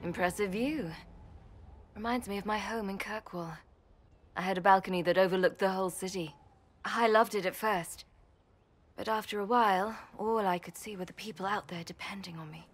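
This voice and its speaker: A woman voicing a weary, reflective fantasy champion in a video game, speaking quietly. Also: mid-range voice, moderate pace, lightly acted.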